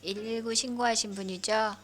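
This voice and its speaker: A woman's voice: a little high, steady tone, moderate pace, soft background music, pitched above the performer's own voice, natural voice. A woman voicing a matter-of-fact emergency responder in an audio story, plainly explaining.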